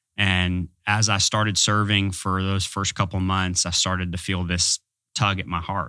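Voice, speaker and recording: A man talks at a moderate pace with a very deep, low pitch and a bright, sharp tone, his intonation monotone and flat. The sound is dry with no echo, and the background is quiet. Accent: American. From Houston, Texas. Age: 30s. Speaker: pastor and former baseball player; podcast guest. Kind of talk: interview testimony. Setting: studio. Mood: earnest, reflective. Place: studio. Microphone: studio mic.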